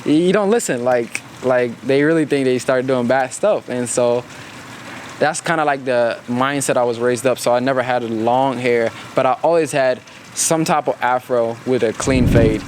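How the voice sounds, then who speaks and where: A man's voice: mid-range voice, moderate pace, a little hiss or hum. A young man from Ethiopia talking as a guest in a casual chat, laid-back and slangy.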